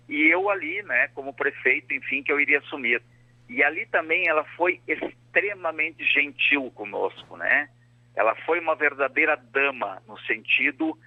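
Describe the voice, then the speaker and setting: On a radio show, a former mayor with a medium-pitched voice gives a phone interview over a crackling telephone line that drops out constantly. The recording is dull, dry, and echo-free, and his speech is formal and measured, full of hesitations.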